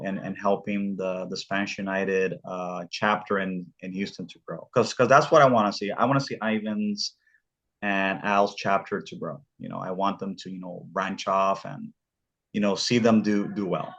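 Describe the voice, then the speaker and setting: A man from Southern California hosting a casual podcast interview, talking in halting bursts and often repeating his words. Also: low voice, fairly even intonation, a bit bright, dull audio. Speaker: podcast host.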